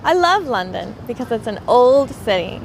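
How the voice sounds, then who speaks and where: Woman, visitor, street interview, enthusiastic, higher voice, faint traffic. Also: very animated, moderate pace, vocal fry, low-quality recording. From Quebec, Canada. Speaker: tourist being interviewed.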